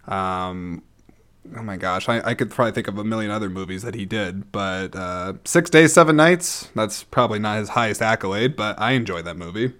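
A man with a fairly low, smooth and resonant voice gives casual solo commentary as a host. He is chatty and enthusiastic, talking in a loose, rambling style. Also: a bit bright. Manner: enthusiastic, chatty, frequent throat-clearing. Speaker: host reviewing own movie collection.

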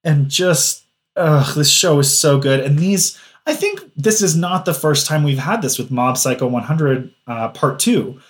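A man co-hosting a casual podcast, retelling anime scenes in a lively, laughing way. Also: fairly high pitch, unhurried. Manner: animated storyteller, laughs easily. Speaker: podcast co-host. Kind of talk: casual anime review chat.

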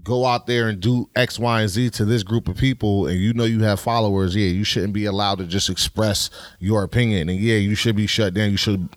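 A man's voice: fairly low pitch, steady tone, brisk, few pauses, no room sound, studio quality. A man with an African American New York accent in casual podcast chat, slangy, profane and outspoken. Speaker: podcast co-host.

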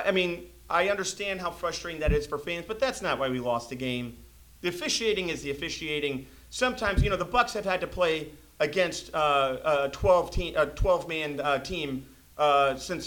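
A passionate man hosts a casual sports podcast, with a slightly raised pitch. He talks in an opinionated, ranting way, pushing his voice up when he gets worked up. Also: a bit bright. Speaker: podcast host.

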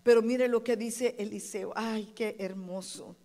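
A woman pastor preaching a sermon, animated, acting out quoted voices and calling on the congregation to respond. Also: mid-range voice, measured pace.

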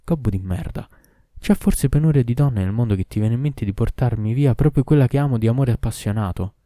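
A man's voice: mid-range voice, brisk, no room sound, studio quality, close to an everyday voice. A man doing a menacing ifrit. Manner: threatening, loud and gruff. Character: menacing male ifrit who was a bull. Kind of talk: audiobook reading.

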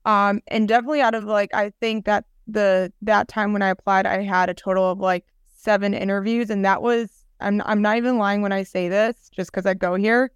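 A woman's voice: mid-range voice, little pitch movement, a little fast, clean tone, no room sound, clean studio sound. A woman in her twenties from the Chicago area, a dental student chatting about her interview. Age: 20s. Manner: chatty, many fillers and restarts. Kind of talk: casual interview answers.

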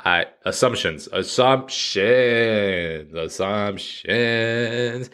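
A man in his thirties with a fairly low voice delivers a casual monologue straight to his viewers. He rants with lots of slang and swearing, getting animated as he goes. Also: extremely slow, clear, resonant tone. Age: 30s. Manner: profane, animated ranting with slang. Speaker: vlogger.

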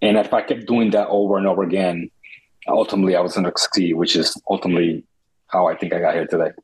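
A man's voice: low voice, level tone, fast, breathy edge, low-quality recording. A man from the Dominican Republic, a startup founder telling his story in an interview, earnest and reflective with many restarts.

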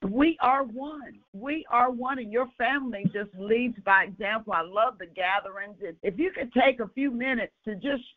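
A woman hosting a radio show, delivering a measured, emphatic devotional message and then interviewing a guest. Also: on the high side. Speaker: radio host. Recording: tinny phone-like radio audio.

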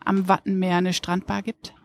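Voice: mid-range voice, completely flat delivery, normal speed. Chatty, upbeat interviewer voice. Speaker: interviewer, reporter. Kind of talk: interview questions. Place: outdoors at a beach bar.

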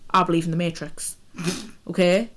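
A woman's voice: fairly low pitch, flat delivery, normal speed, very noisy. A woman, co-hosting a podcast in a casual, jokey, sweary chat while hungover. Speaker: podcast co-host.

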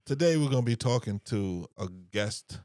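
A man's voice: mid-range voice, lively intonation, normal speed, darkish tone, clear, resonant tone, no room sound, studio quality. A man hosting a podcast in a casual, friendly way, chuckling often and repeating himself. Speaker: podcast host. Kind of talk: casual chat.

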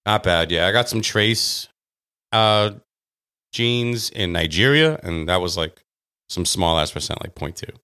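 Deep-voiced, animated man bantering casually. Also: a little slow, smooth. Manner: profane, jokey, blunt. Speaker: podcast co-host.

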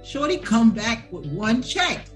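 A man co-hosting a podcast in casual chat, joking and bantering in animated street slang. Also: extremely high pitch, slow pace, soft background music, rough recording. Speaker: podcast co-host.

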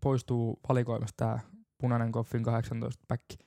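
Young male podcast co-host, teasing and rambling, gravelly, dry close mic. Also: mid-range voice, monotone, warm tone, dry recording. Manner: rambling, teasing, laughs easily. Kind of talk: casual banter.

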